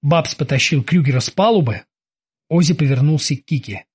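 An expressive audiobook narrator reading a chapter aloud. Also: medium pitch, fairly quick, breathy edge.

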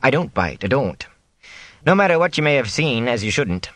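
A man voicing a sharp-tongued, plump female inn cook who scolds in a folksy dialect. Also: mid-range voice, big pitch swings, moderate pace, dry recording, voice pushed up. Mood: chatty, brisk.

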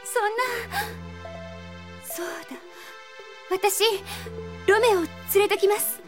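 A gentle teenage girl with a very high, soft voice. She is polite and earnest in anime audio-drama style, over faint music. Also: slow. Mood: worried, determined.

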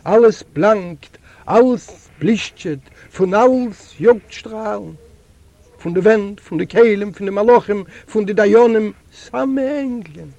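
A man reads a literary story aloud, slow and measured, with a solemn storyteller's weight. His voice is high but dark and mellow in tone. The sound is dry and close, recorded in a library's recording room. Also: creaky, no room sound, lo-fi sound. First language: Yiddish. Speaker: audiobook reader. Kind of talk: literary audiobook narration.

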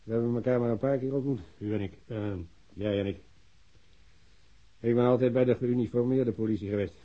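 Guy playing lonely old policeman, curt n defensive, husky voice, dull old radio drama sound. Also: medium pitch, fairly even intonation, brisk, lightly acted. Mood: guarded. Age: older. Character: lonely widowed old policeman, doggedly loyal, guarded and stubborn.

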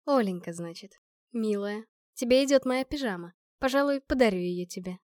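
A woman voicing a warm, teasing middle-aged mother in a storybook reading, speaking softly and unhurriedly. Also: mid-range voice, animated, moderate pace, dry recording, studio quality, close to an everyday voice.

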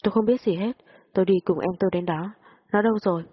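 A woman's voice: fairly even intonation, fairly quick, husky, lo-fi sound, natural voice. A woman voicing a frightened young woman who pleads while crying, her voice rising. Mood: tearful pleading. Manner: pleading, higher and tearful. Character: frightened young woman under police questioning.

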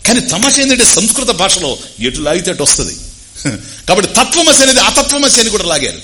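A man with a Telugu accent giving a discourse on scripture, explaining Sanskrit terms slowly and repeating phrases. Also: high voice, wildly swooping pitch, sharp tone, slight background noise. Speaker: spiritual teacher.

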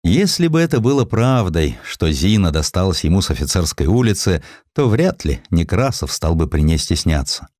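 Male audiobook narrator, deep register, highly animated intonation, theatrical storytelling, very dry studio sound. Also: normal speed, hardly any pauses, dry recording. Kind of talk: dramatic scripted literary narration.

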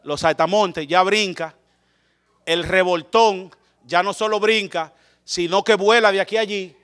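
A male preacher giving a dramatic sermon, swinging between loud calls and quiet low asides to the congregation. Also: steady tone, measured pace.

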